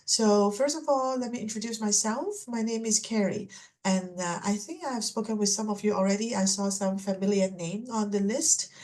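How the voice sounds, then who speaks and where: A woman's voice: medium pitch, normal speed, a little mellow. A middle-aged woman from Hong Kong hosting an online webinar, presenting informally with chatty asides to attendees. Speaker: webinar host and MBA admissions manager. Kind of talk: presenting a webinar, semi-scripted.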